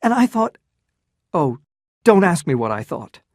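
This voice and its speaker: A woman's voice: low-pitched, animated, measured pace, dark tone, breathy edge, no echo, clean studio sound, voice pushed up, full character voice. A reader voicing an anguished, restrained young woman in a dramatized story reading, with emotional, pleading delivery. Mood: distraught.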